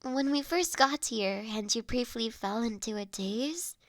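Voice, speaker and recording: Woman acting a high-voiced, slow-speaking, gentle manor mistress. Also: no echo. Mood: tender, soft. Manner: measured, formal, old-fashioned phrasing. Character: gentle, formal young manor mistress, earnest and caring. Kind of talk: roleplay audio drama addressed to the listener.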